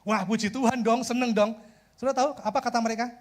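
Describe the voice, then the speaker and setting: A middle-aged man with a Javanese accent preaching a sermon as a pastor, lively and humorous, acting out the people he quotes. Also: very high voice, fast talker.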